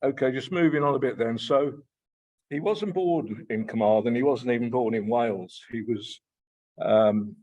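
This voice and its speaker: A man with a Black Country accent talks an audience through his lecture, stumbling over fillers and restarting his words. His voice is a bit husky and sits in the middle of the male range. The recording is dull and lo-fi. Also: medium pitch, normal speed, darkish tone. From Black Country, England. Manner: hesitant, many fillers and repeated words. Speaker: guest lecturer. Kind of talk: informal talk to a local society.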